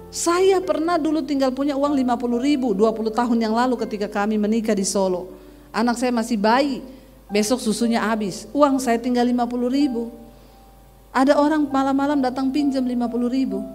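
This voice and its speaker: A woman in her forties, a pastor, preaching a sermon as a lively, humorous story told straight to the congregation. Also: fairly high pitch.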